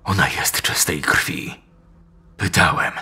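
A man's voice: low voice, lively intonation, slow, creaky, sharp tone, slightly rough, heavily acted. A male narrator voicing a grim, paranoid old man who speaks in curt commands and fatalistic mutters. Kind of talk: audiobook character voice.

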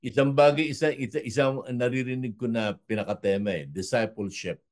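A man hosting a Christian radio program, closing with a steady, preacherly wrap-up. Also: mid-range voice, a little fast, noisy background. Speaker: radio host.

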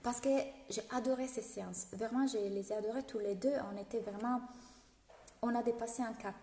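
A woman's voice: fairly high pitch, fairly even intonation, brisk, warm tone. Enthusiastic woman coach in an echoey room. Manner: enthusiastic and chatty. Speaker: business coach. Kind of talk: casual live-stream talk. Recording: roomy echo with long reverb.

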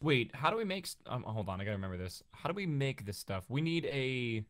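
Animated chatty man with a lively voice. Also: medium pitch, fast talker. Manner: animated, chatty, thinks aloud. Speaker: co-host of a gaming series. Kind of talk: casual gameplay chat.

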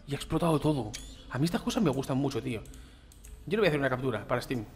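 A gaming YouTuber from Spain with a Spain Spanish accent talks very fast over his gameplay in a mid-range, lively voice, slangy and chatty, speaking right to his viewers as "chicos" and "tío". A little hiss or hum sits under the recording.

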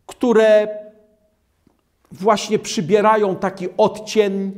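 Man, preacher, sermon, slow emphatic delivery, high lively voice. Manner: slow, emphatic, with dramatic drops in pitch and volume. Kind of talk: sermon on scripture.

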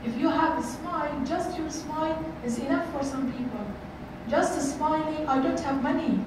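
A woman's voice: high voice, moderate pace. Earnest middle-aged woman speaking in echoey hall. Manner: earnest, repeats phrases, many fillers. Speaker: workshop speaker. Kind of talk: motivational talk to youth. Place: large hotel conference room. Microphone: far camera. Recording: echoey room from far off, noisy.

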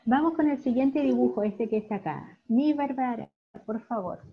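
A Chilean woman teaches children over a video call, her voice slightly high with a husky edge. She praises each answer warmly and explains things patiently. The audio is dull and lo-fi. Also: moderate pace. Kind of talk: online class teaching.

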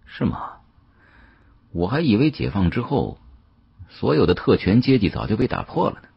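A man voicing a modest, puzzled younger male antique dealer in an audiobook, husky and questioning. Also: on the low side, very animated, moderate pace, dry recording, highs cut off, voice pushed up, exaggerated voice. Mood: wry, hesitant.

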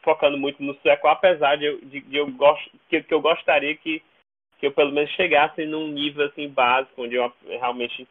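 A Brazilian man speaks as a podcast guest in a casual interview, his voice slightly high with a level tone and moderate pace. He often repeats words while hunting for the next one. The audio is narrow and tinny, like a phone call.

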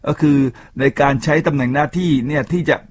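A man's voice: a little high, fairly even intonation, fast talker, a little mellow, a little hiss or hum. A man hosting a radio talk show, talking chattily to his listeners with frequent asides. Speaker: radio host.

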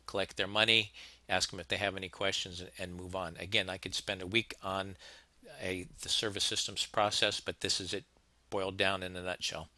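A man gives a relaxed, plain-spoken training lecture, circling back and repeating himself as he goes. His voice sits a little low but comes across very bright and forceful. It is recorded close and dry, with no room sound. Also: dry recording. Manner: plain-spoken, conversational, frequent restarts and repeats. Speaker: HVAC instructor. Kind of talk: narrated slide lecture.

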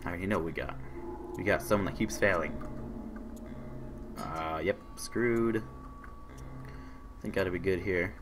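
A hoarse young man with a sore throat, casually commentating a game he is playing, reading on-screen messages aloud and answering them. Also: low-pitched, measured pace, long pauses, music in the background. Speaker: gaming channel host. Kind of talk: casual let's-play commentary.

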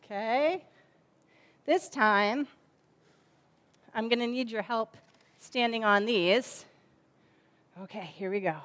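A woman's voice: a little high, takes it slowly, long pauses, a bit bright. A woman in her forties, a children's ministry director, giving a chatty object lesson sermon from a church stage with lots of fillers.

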